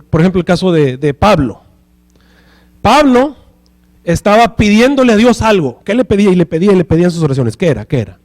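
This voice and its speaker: A man preaches to his congregation, his voice sitting notably high for a man. He teaches steadily and keeps turning to the room with questions like a teacher checking in. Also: darkish tone. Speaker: pastor. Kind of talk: sermon.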